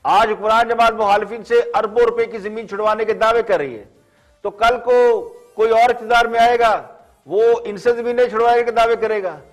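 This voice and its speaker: A male news show host with a Pakistani Urdu accent, delivering measured, ironic scripted commentary. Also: very high-pitched.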